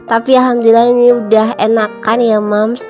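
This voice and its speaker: A woman in her thirties narrating a home cleaning vlog, her voice a little nasal from a cold, chatting warmly to viewers she calls moms and friends. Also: on the high side, flat delivery, moderate pace. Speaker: home vlogger, mother. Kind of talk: casual chatty voice-over narration. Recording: faint music behind voice-over.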